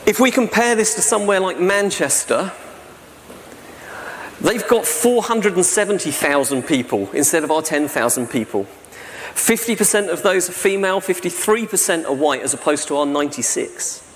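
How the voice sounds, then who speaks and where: A man's voice: high-pitched, animated, normal speed. A man in his forties from South-East England, giving a conference talk in a chatty, self-deprecating way, often tagging on "right?". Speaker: conference speaker. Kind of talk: presentation talk. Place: large dark hall on a stage with projection screen. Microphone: stand mic at lectern. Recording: reverberant hall, faint noise.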